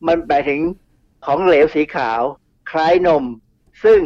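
Middle-aged man, slightly high voice, chatty explainer, dull dry radio-studio sound. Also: steady tone, unhurried, no room sound. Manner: chatty, explains with asides and repeats. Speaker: toxicologist guest.

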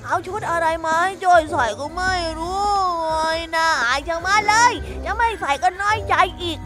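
A flustered young boy who grumbles under his breath, pitched very high, as a woman puts him on. Music plays softly behind him in this children's audio story. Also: moderate pace. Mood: embarrassed. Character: shy, grumbling young boy at a temple fair.

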